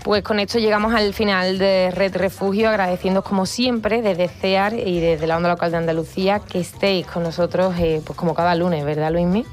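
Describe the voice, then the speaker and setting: Low-voiced woman radio host. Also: steady tone, normal speed, hardly any pauses, soft background music. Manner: friendly, encouraging with short prompts. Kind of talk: radio interview. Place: radio studio.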